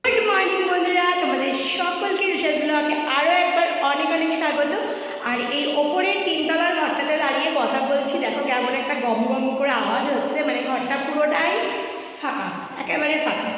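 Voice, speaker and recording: High-voiced woman vlogger, chatty, talking to viewers, big booming echo off empty walls, long reverb. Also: a little fast, fairly bright tone. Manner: friendly, talks straight to viewers. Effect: booming echo from the bare empty room. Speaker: vlog host. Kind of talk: casual chatty vlog talk to viewers. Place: empty top-floor room of a house.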